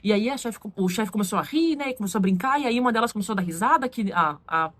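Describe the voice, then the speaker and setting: A Brazilian woman with a Brazilian Portuguese accent telling a story in a casual vlog, animated and acting out what others said. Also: medium pitch, fast, dry recording. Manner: animated, acts out quoted voices. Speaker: vlogger.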